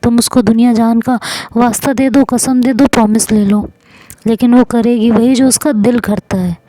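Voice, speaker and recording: A woman's voice: a little high, steady tone, moderate pace, warm tone, slight background noise, rough recording. A woman storyteller narrating an audio love story, voicing both sides of heated phone quarrels in between.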